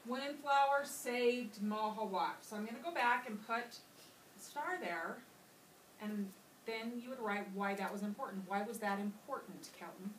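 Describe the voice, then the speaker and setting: A woman's voice: medium pitch, normal speed, a bit bright. A woman teacher gives a patient reading lesson, asking questions and echoing back her pupils' answers. Her voice rings around a roomy classroom, picked up from a distant mic with a faint hum behind her. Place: classroom, indoors.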